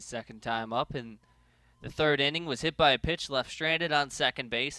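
Upbeat and enthusiastic, a man with a fairly high pitch and a bright, sharp tone talks fairly quickly in a dry sound with no echo against a quiet background. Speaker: baseball play-by-play broadcaster. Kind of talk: live baseball play-by-play commentary. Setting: stadium broadcast booth, solo on the call. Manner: fast, fluid, energetic play-by-play patter, calling each pitch and count; conversational and upbeat, enthusiastic about big plays and stats.

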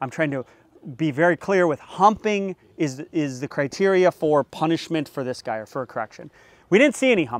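A man speaks at a fairly quick pace with lively intonation. The sound is dry, with no echo. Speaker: dog trainer. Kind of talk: tutorial. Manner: loud. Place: garden.

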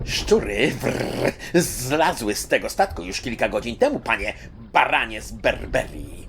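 A man growls in a put-on character voice at a moderate pace, with clear background noise behind him. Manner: spiteful, growling.

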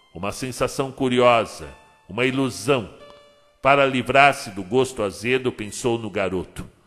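Fairly slow speech from a man, music playing in the background. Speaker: audiobook narrator. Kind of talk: horror audiobook reading.

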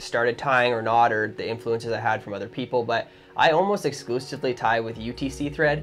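A man's moderate-paced speech has faint music playing behind it. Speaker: fly tying host. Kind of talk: casual explanatory talk on a live show. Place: studio.

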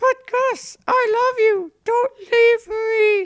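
In a put-on character voice, the speaker squeaks at an extremely high pitch and a very slow pace. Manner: silly, over the top.

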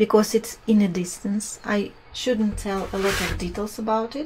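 A fairly high female voice with fairly even intonation over noticeable background noise. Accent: Russian. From Belarus. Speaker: watercolor painter and art teacher. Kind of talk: live painting tutorial. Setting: studio. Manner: kind, relaxed teaching.

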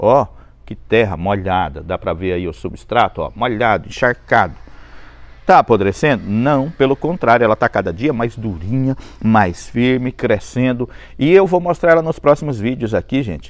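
The man's speech runs at a moderate pace. His pitch leaps very widely up and down. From Brazil, Rondônia. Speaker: gardening instructor and YouTuber; teacher. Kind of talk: tutorial. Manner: animated. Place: garden. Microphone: lapel.

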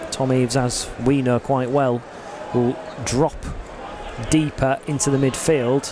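Long, frequent pauses break up fairly slow speech that keeps very even loudness and fairly even intonation, with noticeable background noise behind it. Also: man, medium pitch for a man. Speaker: football commentator. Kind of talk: live football commentary. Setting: stadium, commentating at ground. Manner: descriptive, clipped, informed, conversational asides.

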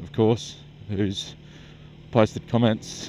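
Over light background noise, a man speaks very slowly at a fairly low pitch. His tone is dark and mellow, his intonation monotone and flat. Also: dry sound with no echo. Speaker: motovlogger. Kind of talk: casual vlog chat. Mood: relaxed, cheerful. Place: motorbike.

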